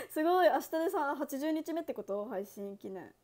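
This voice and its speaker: A woman's voice: high-pitched, darkish tone. A young woman hosting a casual livestream, chatting with viewers and reading their comments, giggling often. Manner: giggly, bubbly, laughs often. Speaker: idol livestream host.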